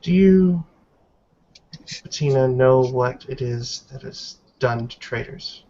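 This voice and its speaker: A man playing a stern elderly tribal matriarch in a roleplay game, speaking formally in deliberate, halting phrases. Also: medium pitch, warm tone, close to an everyday voice. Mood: grave, stern. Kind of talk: tabletop roleplay in character. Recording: dull online call with background noise.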